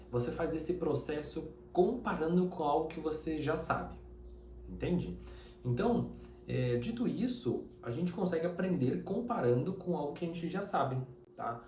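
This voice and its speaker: A man's voice: on the high side, a little mellow, roomy sound, slight background noise. A man from Taiwan whose first language is Mandarin, teaching a casual spoken lesson to camera and often tagging his sentences with checking questions. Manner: conversational, uses many tag questions.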